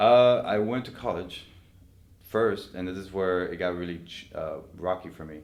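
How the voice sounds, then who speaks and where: Here a man speaks with a non-native accent. His pitch is very deep and low, with ordinary variation. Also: moderate pace. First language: not English. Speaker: poet. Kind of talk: casual chat.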